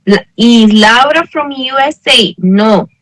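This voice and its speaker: Here the same online English teacher sounds a little high, animated, and fairly bright, speaking slowly on a rough recording. She stays patient in her explanations, keeps checking on her students, and fixes her own sentences partway through.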